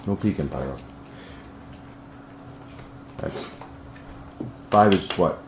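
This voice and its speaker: A man's voice: low-pitched, lively intonation, slow pace. A man playing in a casual tabletop game stream, joking and teasing playfully with the others. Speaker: player and co-host on a game stream. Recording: roomy, dull audio with clear noise.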